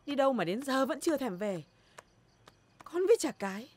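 A woman's voice: high voice, animated, moderate pace, a little mellow. An actress playing a worried older grandmother who frets and pleads in a television drama. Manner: fretful and pleading. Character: worried grandmother, anxious and tearful. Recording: television drama with clear background noise.

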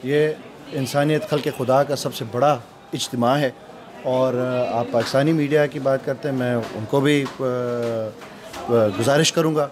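A man, a provincial assembly member, answering interview questions outdoors near a shrine, earnest, with hesitant pauses and English words mixed in. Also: medium pitch, fairly even intonation, crowd noise.

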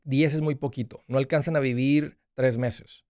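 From a small studio with acoustic foam on the wall, a radio host in his forties gives money advice to callers through a studio mic and headphones. His darkish, medium-pitched voice keeps fairly even intonation at normal speed, and he speaks directly, frequently restarting his words, with no echo.

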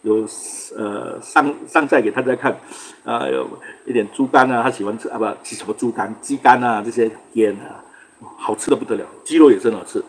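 A livestream host with a Singaporean accent tells a story in casual chat, his mid-range voice brisk over slight background noise. He acts out quarrels in raised voices and mixes English words into his speech.

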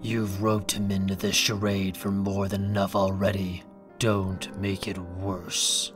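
A man's voice: deep voice, level tone, measured pace, over music. A man playing a proud, scornful young businessman in an audio drama, cold, curt and sarcastic. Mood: tense contempt.

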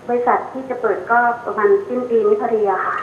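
A woman's voice: a little high, fairly even intonation, rapid-fire, a little hiss or hum. A woman calling in to a radio show, polite and hesitant, often repeating her words. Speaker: caller. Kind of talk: phone call-in chat. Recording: tinny echoey phone line.

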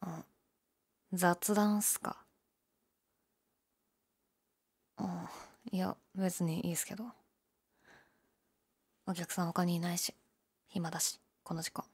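A young woman playing a laid-back, shyly candid gyaru convenience-store clerk in an audio drama, with a breathy, hesitant, mumbled delivery. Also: steady tone, unhurried, pauses often, a little mellow. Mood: awkward, bemused. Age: young adult. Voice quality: low, breathy. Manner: listless, hesitant, mumbled casual polite speech. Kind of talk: male-oriented situation voice drama, casual chat.

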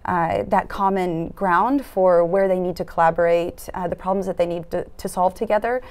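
A woman in her thirties with a fairly low voice answers interview questions in a dark studio, speaking through a lapel mic. She is earnest and thoughtful, often pausing on fillers and restarting her sentences as she works out what she means. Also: steady tone. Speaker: foundation program officer, interviewee. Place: dark studio set at a conference.

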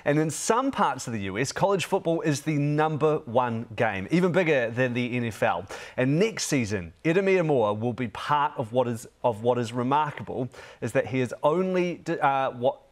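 A man's voice: mid-range voice, animated, moderate pace, hardly any pauses. A man in his thirties presenting breakfast television from a studio, upbeat and chatty, on a lapel mic. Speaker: TV news presenter. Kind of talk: breakfast TV interview.

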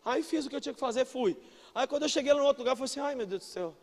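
A Brazilian man with a Brazilian Portuguese accent preaching a sermon as pastor, emphatic, breaking into shouts and then dropping low. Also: fairly even intonation, rapid-fire. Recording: long reverb of a large hall.

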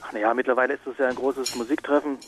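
Hesitant Saxon caller on a phone line. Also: male voice, mid-range voice, flat delivery, a bit bright. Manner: unhurried, hesitant, with filler sounds. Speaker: radio caller.

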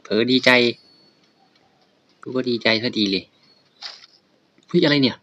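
A man calls out his gameplay in a rowdy, foul-mouthed stream of reactions, often loud and worked up. The sound is a little dull, as if from a modest home mic. Birds chirp faintly in the background. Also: mid-range voice, takes it slowly, slight background noise. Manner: loud, excitable and profane, swearing at the game. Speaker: gaming streamer. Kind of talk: casual gameplay commentary.

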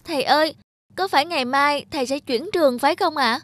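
A woman's voice: high voice, a little fast, fairly bright tone. A woman voicing an earnest, polite young schoolboy in a cartoon, speaking respectfully and eager to please. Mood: earnest, wistful. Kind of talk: cartoon voice acting.

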